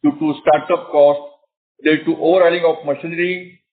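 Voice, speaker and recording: A man with an Indian accent reads a formal, measured corporate presentation as a company executive, over a tinny conference call line. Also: fairly high pitch, fairly even intonation.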